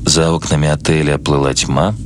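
A man with a low voice narrates literary prose in a dramatic reading. He is solemn and measured, setting phrases down with weight. Clear noise runs through the recording. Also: level tone.

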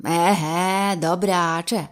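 A woman voicing a stout old sea captain who speaks slowly, bluntly and jovially. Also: fairly low pitch, steady tone. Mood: hearty.

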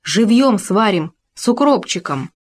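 A woman's voice: medium pitch, animated. A woman voicing a greedy male gopher who chatters on eagerly. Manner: rattles on quickly, eager.

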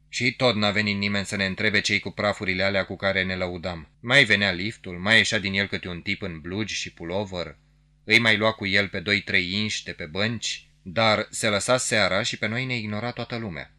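Bright-voiced man reading a novel. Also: low-pitched. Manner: measured, wry literary narration. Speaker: narrator.

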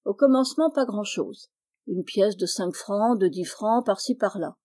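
A woman's voice: medium pitch, unhurried, warm tone, lightly acted. A woman voicing a boastful, scheming young man in a storybook reading, smug and offhand.

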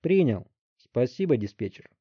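A man's voice: mid-range voice, big pitch swings, normal speed, slight background noise, natural voice. A man doing a curt, hard-bitten police chief. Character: tough, cynical middle-aged police chief. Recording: dry, slightly dull recording.

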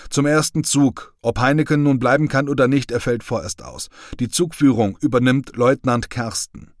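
A man's voice: mid-range voice, normal speed, no room sound, studio quality, pitched above the performer's own voice, close to an everyday voice. A man reading the part of a stern male army company commander giving formal, clipped orders. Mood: commanding.

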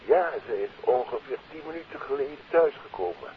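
A man's voice: mid-range voice, lively intonation, a little fast, lightly acted. An actor playing a worried middle-aged doctor and father in a 1950s radio drama. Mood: concerned, doubtful. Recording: thin telephone-like, hissy 1950s radio recording.

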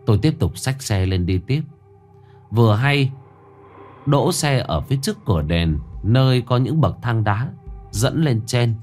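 A man narrating a first-person ghost story in an expressive, unhurried way. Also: medium pitch, soft background music.

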